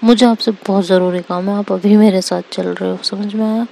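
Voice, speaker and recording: A woman's voice: medium pitch, steady tone, fairly quick, creaky, warm tone. A woman voicing an exasperated young woman caught between two girlfriends, complaining dramatically in a storybook reading.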